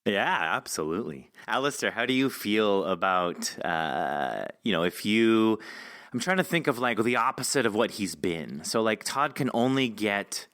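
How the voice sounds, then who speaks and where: A bright, crisp-edged man's voice, slightly low in pitch. He talks casually as a podcast interviewer, and the sound is close and dry with little room. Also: big pitch swings, moderate pace, no room sound.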